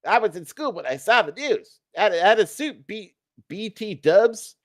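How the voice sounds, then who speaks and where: Teen hero, acted by a male reader: cheeky, excitable, slangy, pitched up and lively. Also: a little slow. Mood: gleeful teasing. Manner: gleeful, slangy teasing. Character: cheeky, excitable teenage boy superhero.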